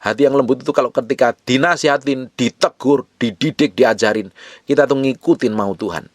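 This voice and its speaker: A male pastor preaching a sermon with urgent exhortation, repeating short phrases and moving between forceful rises and hushed low phrases. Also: brisk, dry recording, clean studio sound.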